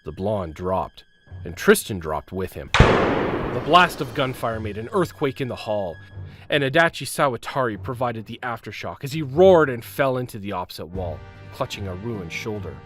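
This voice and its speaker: A man narrates a dramatic story in a fairly low voice. His delivery is intense and suspenseful, broken into short phrases with wide swings of pitch, over clearly audible music. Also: very animated, normal speed.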